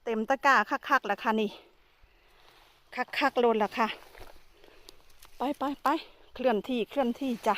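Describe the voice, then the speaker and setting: Chatty high-voiced woman with Isan accent. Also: fairly even intonation, moderate pace, long pauses, a bit bright. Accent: Isan Thai. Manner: chatty, exclaims often. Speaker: vlogger. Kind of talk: casual vlog narration. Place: outdoors in a forest.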